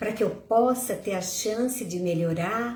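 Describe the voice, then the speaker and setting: In a room with audible echo, a woman speaks at a fairly high pitch in a warm, dark, mellow tone that is somewhat breathy. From Brazil, São Paulo city. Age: 60s. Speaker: spiritist lecturer. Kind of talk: lecture. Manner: warm, conversational.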